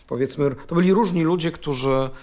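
A man's voice: on the high side, brisk, a little mellow. A man giving a hesitant, careful spoken account in a documentary interview style.

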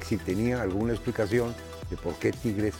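A man's voice: on the low side, normal speed, over music. A man debating as a sports pundit on a heated panel. His talk is colloquial and full of stammered restarts. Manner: stammering restarts, colloquial, apologetic then pushing back.

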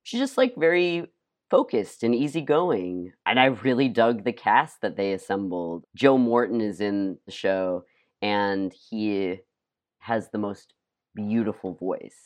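An actor chatting casually as an interview guest, speaking haltingly and peppering sentences with "like". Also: mid-range voice, expressive. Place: at home, remote session.

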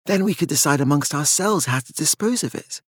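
A man's voice: fairly high pitch, animated, brisk, dry recording, clean studio sound, voice pushed up. A man voicing a serene, scheming lady in a story, speaking in a composed murmur. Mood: conspiratorial murmur.

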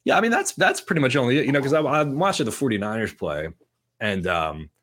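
A man's voice: medium pitch, sing-song, quick pace, fairly bright tone. A man co-hosting a casual sports podcast, with a slightly nasal, clogged-sounding voice and a rambling way of talking full of restarts. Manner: rambling, lots of restarts and fillers.

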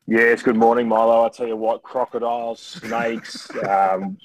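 A man's voice: medium pitch, level tone, measured pace, no echo, rough recording. A man with a broad Australian accent giving a casual sports preview as a panel guest, in colourful, slangy, matey banter. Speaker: racing tipster and panel guest.

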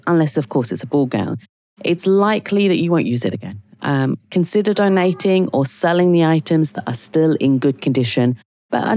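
A woman hosting her own podcast, croaky from a cold, chatting casually with lots of fillers and restarts. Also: deep voice, dark tone, no room sound, studio quality. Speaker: podcast host. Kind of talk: casual solo podcast talk.

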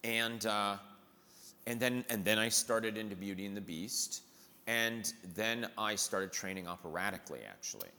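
Guy with a low, bright, forceful voice telling theater stories, acting out quotes, echoey room. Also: normal speed. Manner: lively anecdotes, acts out the people he quotes. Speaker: musical theater performer. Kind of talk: storytelling in a conversation.

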